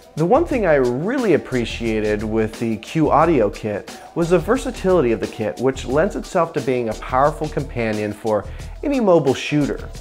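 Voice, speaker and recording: A man talking with hardly any pauses, faint music in the background. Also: moderate pace. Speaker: gear reviewer. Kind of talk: product review. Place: home room.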